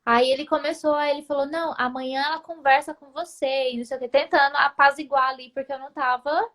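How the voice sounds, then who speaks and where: A woman's voice: high voice, fast talker. A young woman chatting casually as a guest, telling stories with animation and her voice jumping up when she gets to the dramatic parts. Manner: animated storyteller, voice jumps up when retelling. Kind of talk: casual chat.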